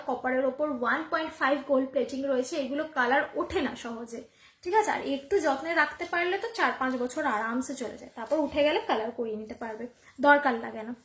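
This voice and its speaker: A woman with a Bengali accent selling jewellery on a live phone stream from home, chatty and repeating each price to viewers. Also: high voice. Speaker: online jewellery seller. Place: home room. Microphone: phone camera. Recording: echoey room.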